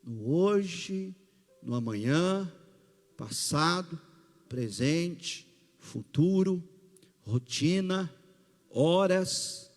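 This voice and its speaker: Slow, high-voiced preaching man in a hall. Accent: Brazilian Portuguese. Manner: slow, emphatic preaching with rising bursts. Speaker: pastor. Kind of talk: sermon. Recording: long hall reverb with faint music.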